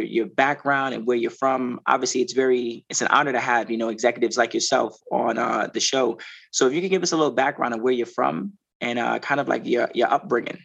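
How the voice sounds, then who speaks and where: A man hosting an interview show talks fast and upbeat, circling his questions with fillers. His voice is gravelly and a little husky. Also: medium pitch, fairly bright tone, highs cut off. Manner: upbeat, repetitive, lots of fillers. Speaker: podcast host.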